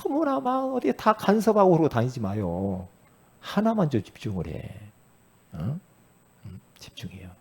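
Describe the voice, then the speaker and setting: A male pastor delivers a sermon in a husky voice that swings widely in pitch. He talks casually to the congregation and then surges up into loud emphatic pleas. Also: huge pitch swings, normal speed. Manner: emphatic, conversational preaching with sudden loud rises.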